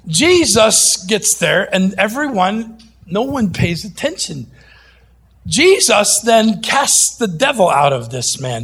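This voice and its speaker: A man preaching a sermon, animated and jokey, moving between loud outbursts and quiet asides. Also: a little high, vocal fry, slight background noise.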